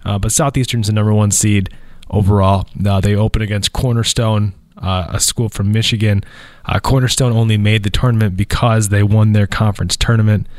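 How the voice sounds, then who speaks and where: Rambling nasal man, low voice. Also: steady tone, brisk, a little mellow, no room sound, clean studio sound. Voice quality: nasal from allergies. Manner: loose and rambling, many fillers. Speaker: podcast host. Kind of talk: casual sports talk. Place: office conference room.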